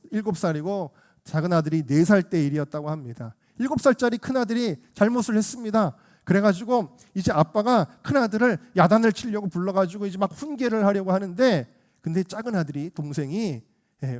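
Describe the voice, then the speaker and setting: A man's voice: sits high, darkish tone. A male senior pastor preaching a Sunday sermon with emphasis, often putting questions to the congregation.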